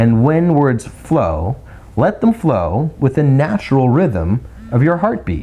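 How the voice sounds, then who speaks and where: A man's medium-pitched voice at a fairly slow pace, with noticeable background noise. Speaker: dating and social skills coach. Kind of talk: casual talk to camera.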